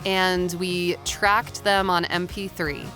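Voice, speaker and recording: A woman's voice: fairly low pitch, flat delivery, slow, music in the background. A woman voice-over artist talking to viewers in an informal explainer vlog. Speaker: voice-over artist sharing industry tips.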